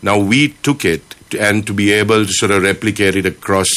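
A man from Sri Lanka, a company managing director, speaking as a guest on a radio show with measured phrasing and frequent filler pauses. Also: on the low side, steady tone, fairly bright tone. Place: radio studio.

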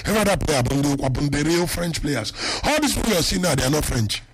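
A man's voice: fairly high pitch, very animated, fast talker, a little hiss or hum, low-quality recording. A man with a Nigerian Igbo accent hosting radio sports talk, rambling casually with many fillers and Igbo phrases.

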